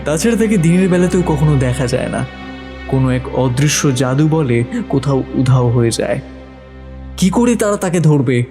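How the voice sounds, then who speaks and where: A man's voice: mid-range voice, animated, normal speed. A man narrating a village ghost story in a dramatic scripted style. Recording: narration over loud music. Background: music with crickets.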